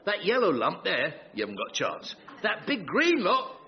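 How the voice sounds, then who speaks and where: A man's voice: high-pitched, huge pitch swings, moderate pace, heavily acted. A man playing a shady, cheerful campaign fixer in a radio sitcom, slangy and wisecracking. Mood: brash. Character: shady, cheerful male wheeler-dealer campaign manager. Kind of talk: British radio sitcom acting. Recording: slightly dull, muffled recording.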